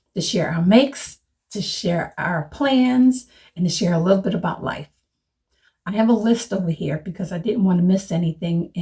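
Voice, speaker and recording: In a raspy, put-on character voice, the speaker goes at a moderate pace with ordinary pitch variation. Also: woman, medium pitch for a woman. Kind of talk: conversational, chatty. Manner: talking fast.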